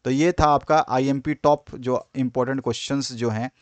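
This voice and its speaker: A man of ordinary pitch runs through exam questions in a patient revision lesson. He works through each answer step by step, repeats the points that matter and pauses on fillers as he goes. The sound is dry and close, with no room around it. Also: steady tone, no echo. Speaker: exam prep teacher.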